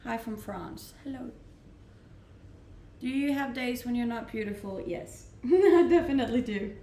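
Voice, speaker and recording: Danish woman chatting on a livestream, a bit of vocal fry, roomy echo around her. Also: on the high side, unhurried, mellow, slight background noise. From Denmark. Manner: chatty and easygoing, laughs often. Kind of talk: casual livestream chat, answering viewer comments. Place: rented home.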